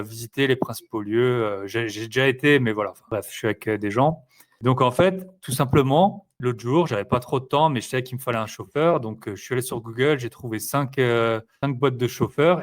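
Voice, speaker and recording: A man chatting casually as an interview guest, rambling a little and leaning on fillers. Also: medium pitch. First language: French. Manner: rambling, filler-heavy, relaxed. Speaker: interviewee, investor. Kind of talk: casual conversational chat.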